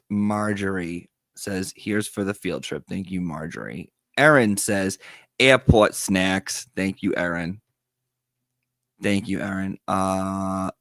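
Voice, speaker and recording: A man's voice: low-pitched, no echo, clean studio sound. A man with whistling s sounds, chatting casually as a livestream host and reading out viewer messages.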